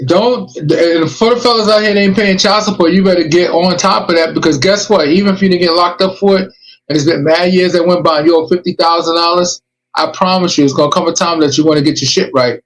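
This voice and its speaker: A podcast host with a somewhat high voice. He talks in a casual, streetwise way. He presses his points hard with blunt warnings. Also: steady tone, fast, a bit bright, rough recording. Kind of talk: casual advice chat.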